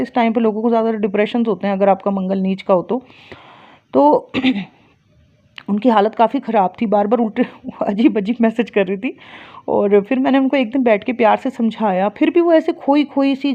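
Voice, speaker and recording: A woman, a spiritual healer and astrologer, giving casual advice and telling stories with rising energy. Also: fairly high pitch. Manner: explains plainly, rises into lively storytelling. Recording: dull lo-fi recording.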